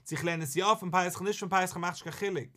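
Animated rabbi teaching, man, higher voice. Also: fast. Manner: animated, questioning, sing-song rise and fall. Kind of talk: Talmud study lesson.

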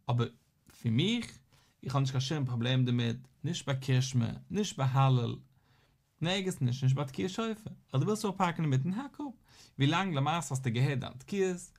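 A man, a rabbi, giving a daily Talmud lesson, posing questions and answering them in a study singsong. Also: a little high.

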